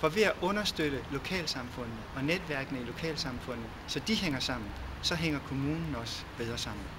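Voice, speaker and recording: There is noticeable background noise as a man with a fairly high pitch speaks at a moderate pace with lively intonation. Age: 40s. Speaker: local election candidate. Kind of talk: campaign address. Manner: hesitant with filler sounds.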